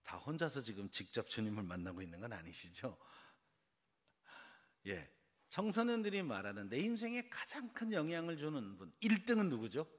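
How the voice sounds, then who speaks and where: Man, pastor, animated sermon delivery, quizzes the congregation, long church reverb. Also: mid-range voice, normal speed. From Seoul, South Korea. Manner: engages the congregation with quiz questions. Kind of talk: early-morning sermon. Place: church sanctuary.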